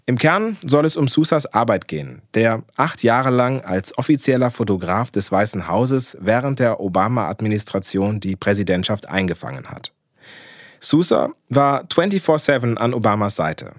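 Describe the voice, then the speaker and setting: A man's voice: medium pitch, no room sound. Man reading a dry film review. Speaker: podcast co-host reviewing a film.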